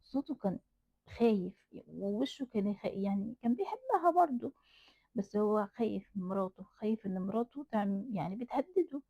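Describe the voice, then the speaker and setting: A woman's voice: medium pitch, lively intonation, a little fast, dark tone, dry recording. Egyptian woman telling a horror tale. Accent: Egyptian Arabic. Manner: dramatic, repeats phrases for emphasis. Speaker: storyteller. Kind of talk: horror story narration. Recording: dry tinny phone-like sound.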